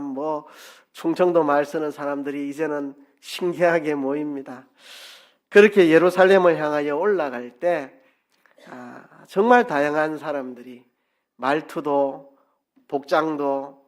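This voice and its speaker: A middle-aged man, a pastor giving an expressive sermon with dialect asides in a church sanctuary. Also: fairly high pitch.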